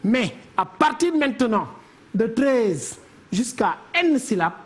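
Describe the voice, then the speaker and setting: A woman teacher giving a televised literature lesson, counting syllables slowly and deliberately. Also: a little high, big pitch swings.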